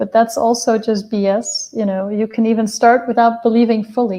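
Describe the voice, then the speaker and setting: A woman with a Dutch accent speaks at a moderate pace in a dark, mellow tone. Her fairly high pitch stays monotone and flat. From Belgium, Dutch-speaking part (Flanders). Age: 20s. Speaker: business coach. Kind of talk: interview.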